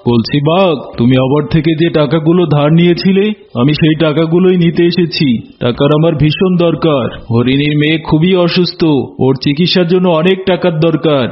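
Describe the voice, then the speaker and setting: A man's voice: a little high, brisk, a little hiss or hum, lightly acted. Man as an earnest cartoon elephant chief, muffled. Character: earnest, trusting male elephant, chief of the forest. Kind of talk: cartoon voice acting. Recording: muffled audio with music bed.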